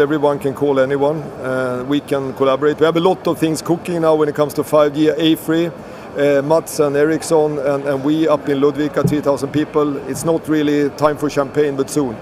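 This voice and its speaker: A man's voice: fairly high pitch, normal speed, crowd noise. A middle-aged man from Sweden speaking as an enthusiastic panelist. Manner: enthusiastic, flat-toned, repeats words. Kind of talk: live panel discussion. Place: conference pavilion stage. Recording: noisy live event feed.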